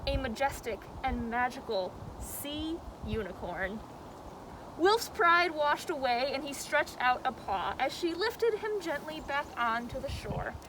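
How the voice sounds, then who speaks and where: A woman reading a children's story and teaching as a zoo educator, with an expressive, dramatic delivery. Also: a little slow. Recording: outdoor background noise, faint vehicle rumble.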